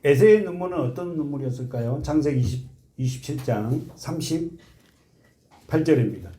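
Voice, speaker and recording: Impassioned Korean pastor preaching. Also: male voice, lively intonation, moderate pace. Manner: emphatic, swings between soft low asides and loud impassioned appeals; asks the congregation questions and leads group Bible readings. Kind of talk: sermon. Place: church sanctuary.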